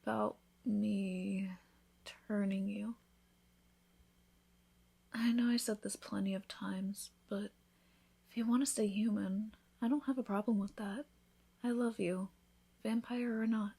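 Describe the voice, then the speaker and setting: A woman voicing an affectionate, teasing newlywed vampire in an intimate, soft-spoken ASMR roleplay, with tender, breathy delivery. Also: mid-range voice, steady tone, slow, long pauses, heavily acted. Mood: worried, tender.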